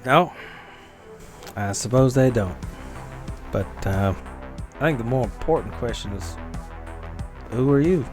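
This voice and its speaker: A man's voice: medium pitch, animated, measured pace, pauses often, a little mellow, soft background music, close to an everyday voice. A man voicing a bitter, grieving, hard-drinking husband and father in a tabletop game, guarded and wry. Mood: wary, wry. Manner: guarded, wry, world-weary.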